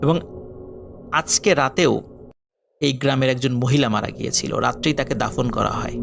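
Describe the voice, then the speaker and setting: A male storyteller voicing a troubled village man who confesses in a low, slow, grave way. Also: gravelly, background noise. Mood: grim.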